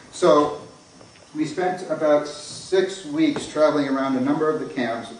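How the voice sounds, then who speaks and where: A man's voice: fairly low pitch, darkish tone. A man with a North American accent gives an informal academic lecture, explaining things and often stressing phrases. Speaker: academic conference speaker. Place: echoey indoor lecture room. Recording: echoey room, distant mic, faint noise.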